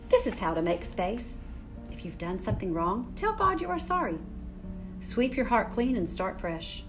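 An older woman hosting a children's story time, speaking in a gentle, deliberate way for young listeners. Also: medium pitch, very animated, over music. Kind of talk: children's story time, picture book read-aloud. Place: furnished room in a church building.

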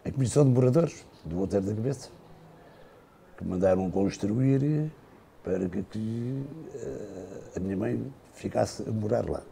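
An older man with a gravelly, rough-edged voice and a very dark, mellow tone. He reminisces slowly and haltingly, often stopping and restarting his sentences. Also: lowish voice, a little hiss or hum. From Portugal. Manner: unhurried, halting, with many restarts and fillers. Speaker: guest. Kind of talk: casual reminiscing.

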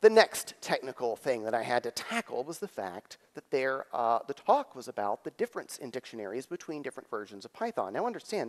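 A middle-aged man giving a live technical keynote on stage, explaining in an animated way with frequent pauses and emphasis. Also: mid-range voice. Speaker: conference keynote speaker. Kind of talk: live technical presentation with demonstrations. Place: on stage in a theater, at a lectern. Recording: echoey theater hall reverb.

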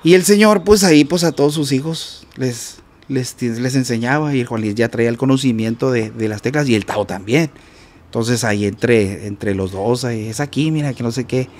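A man with a Mexican accent, a guest musician telling a story in a casual interview, animated and repetitive, sometimes mimicking notes with "ta ta". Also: mid-range voice, moderate pace.

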